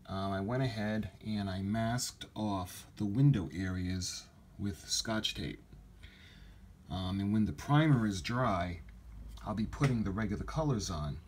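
A low-voiced man hosts a casual hands-on model-building video, thinking aloud in a halting way. The handheld home recording is noisy, with noticeable background sound.

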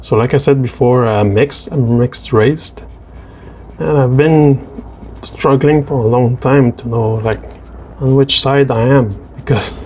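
The recording is low quality, with a bit of hiss or hum, as an artist narrates his drawing video. He's a native French speaker with a French Canadian accent, medium-pitched, a little slow and a little mellow, talking casually about his drawing and tastes with many hesitant restarts.

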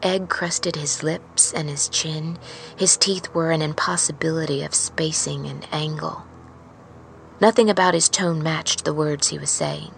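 A woman playing a wary, haunted truck driver in an intimate, confiding, halting audio-drama monologue. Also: low voice, steady tone, creaky, a little hiss or hum, rough recording. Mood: uneasy, haunted. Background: music.

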